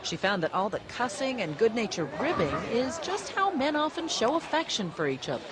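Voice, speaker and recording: Woman, TV news narration, animated, noisy broadcast sound. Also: on the high side, brisk. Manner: lively, polished reporter delivery.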